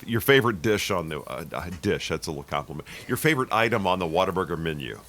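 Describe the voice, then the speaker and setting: A man's voice: low-pitched, animated, fast, fairly bright tone. A man from Dallas hosting a podcast, chatting casually and joking with his guest, with lots of restarts. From Dallas, Texas. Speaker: podcast host. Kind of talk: casual interview chat.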